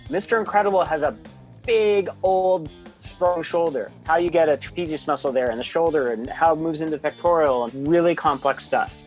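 A man's voice: on the high side, normal speed. Informal middle-aged man explaining, music behind. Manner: informal, conversational. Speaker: expert interviewee. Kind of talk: casual spoken explanation in an interview. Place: small home office lined with books. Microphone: video call with wired earphones.

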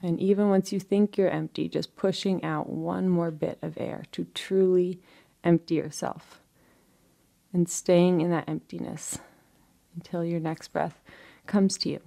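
A woman guides a relaxation session, giving soft, unhurried instructions in a gentle, soothing way with frequent pauses between phrases. Her voice sits on the low side with a steady tone and some vocal fry.

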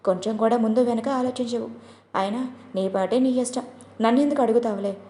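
A woman doing a sharp-tongued young roommate. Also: on the high side, a little fast, close to an everyday voice. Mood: scolding. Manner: loud, scolding, sarcastic. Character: teasing outspoken young woman friend. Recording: roomy echo.

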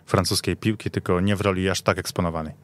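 A man's voice: low voice, steady tone, fast talker, no room sound. A man speaking informally as a guest pundit in a sports discussion. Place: radio studio.

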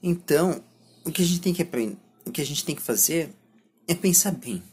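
A man in his twenties with a Brazilian accent and a husky voice, speaking a reflective monologue to camera as a vlogger, halting between short phrases. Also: a little high, expressive, darkish tone. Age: 20s. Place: small indoor room lined with bookshelves. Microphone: phone or camera at arm's length.

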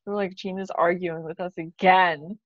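A woman's voice: fairly low pitch, steady tone, moderate pace, no echo. A woman in her thirties chatting candidly and informally as a guest on a video call, with a self-deprecating manner. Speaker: playwright guest. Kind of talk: casual, candid roundtable chat. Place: bright living room at home. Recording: slightly dull video-call audio.

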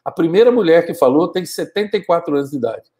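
A man in his fifties giving a forceful, scolding motivational talk on a live stream, using an earphone mic in a small home studio. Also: on the high side, lively intonation, quick pace. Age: 50s. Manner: forceful, scolding, gestures a lot. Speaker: motivational speaker. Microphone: wired earphone mic, webcam framing.

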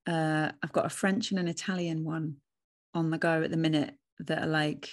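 A woman in her thirties hosting a relaxed, thoughtful chat over a video call, speaking into a studio microphone with headphones on at home. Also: deep voice, moderate pace. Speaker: host. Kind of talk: casual conversation. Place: home room with bookshelves, indoors. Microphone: studio mic with headphones on a video call.

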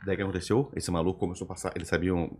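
A man who is a podcast guest and former radio host, telling a lively, slangy anecdote in casual chat. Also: low-pitched, racing, slight background noise.

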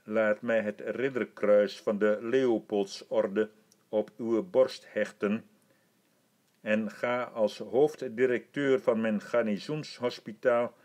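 A man voicing a slow, stately old emperor. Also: lowish voice, steady tone, a little mellow. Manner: stately, measured and formal. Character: older male emperor, gracious and commanding. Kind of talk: audiobook reading.

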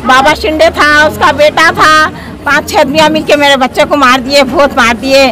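A woman's voice: high voice, normal speed, crowd noise. A middle-aged grieving mother, pleading and crying out for justice in a street statement.

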